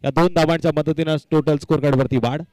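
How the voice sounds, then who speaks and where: A man's voice: on the high side, fairly even intonation, quick pace, darkish tone, no echo, low-quality recording. A man giving live commentary and announcements at a local cricket tournament, emphatic and fond of repeating phrases for effect.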